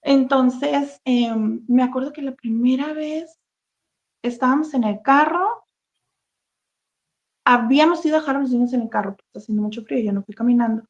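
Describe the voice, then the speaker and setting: A woman telling her own painful story as an interview guest, halting and full of fillers and restarts. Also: high voice. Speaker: interview guest sharing a personal testimony. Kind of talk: emotional personal testimony, casual talk. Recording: dull, lo-fi sound.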